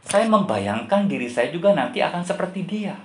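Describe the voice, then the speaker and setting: A man's voice: a little high, big pitch swings, moderate pace, a little hiss or hum, pitched above the performer's own voice. A man preaching in a church, voicing a grown uncle who is confessing his fear of old age and death with rising urgency, heard in an echoey hall. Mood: earnest. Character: grown man, an uncle, frightened then resolved.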